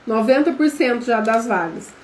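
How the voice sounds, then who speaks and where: Speaking at a moderate pace, this woman has a fairly high, expressive voice with a darkish tone. She is Brazilian, with a Brazilian Portuguese accent, running a live online class where she chats, calls viewers "gente," and quizzes them, all in an echoey room with faint noise behind her.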